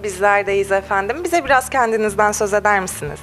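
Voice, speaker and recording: A woman's voice: medium pitch, a bit bright. A young woman working as a TV reporter, delivering polished scripted questions into a handheld mic in a small cafe. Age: young adult. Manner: fast, polished presenter delivery. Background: faint music.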